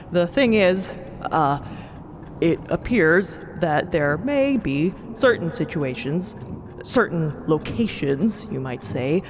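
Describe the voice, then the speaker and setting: Audio drama officer: low register, hesitant, polite to superiors, nervously placating. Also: female voice, background noise. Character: nervous, deferential male timekeeper officer. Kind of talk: audio fiction acting.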